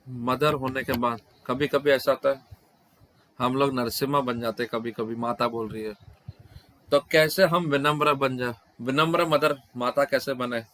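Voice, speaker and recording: At a devotional scripture class run over a video call, a man interprets the questions and answers. His middle-pitched voice sounds pushed and bright, and he often stops in the middle of a word to begin the phrase anew.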